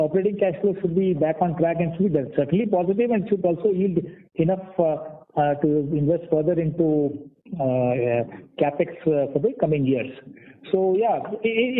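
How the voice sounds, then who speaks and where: A man with an Indian accent, a company executive haltingly answering analysts' questions on a conference call, with frequent pauses. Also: high voice. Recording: tinny phone conference line.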